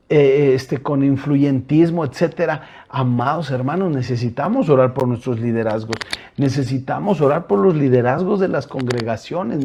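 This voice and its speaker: A man with a Mexican Spanish accent delivers a sermon in an earnest, direct way, often turning to his listeners. His voice sits a bit high for a man, with a mellow, dark color and a husky edge. Now and then he hesitates over a filler before moving on. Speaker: pastor.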